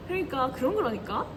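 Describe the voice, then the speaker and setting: A very high-pitched young woman in her twenties, an idol hosting a livestream, speaks with a slight Korean regional dialect amid background noise. She is giggly and chatty, reading comments and responding to them.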